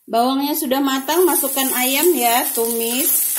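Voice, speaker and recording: A woman talks through her home cooking video as host. Her voice sits high and she takes her time, guiding each step in a chatty, relaxed tutorial tone. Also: unhurried, slight background noise. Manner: chatty, step-by-step, adds soft "ya" and "nah". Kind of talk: casual cooking tutorial voice-over.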